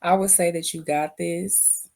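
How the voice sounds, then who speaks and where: A woman's voice: fairly low pitch, steady tone, measured pace, a little mellow. A young adult woman, a veteran and business owner, giving thoughtful interview answers and often repeating her phrases.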